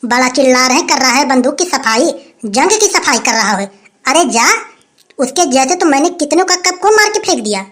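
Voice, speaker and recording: A man doing a shrill blustering village headman. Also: animated, moderate pace, a bit bright. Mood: threatening. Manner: blustering, threatening, repeats phrases. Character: boastful greedy male village headman, blustering. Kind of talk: comic sketch acting.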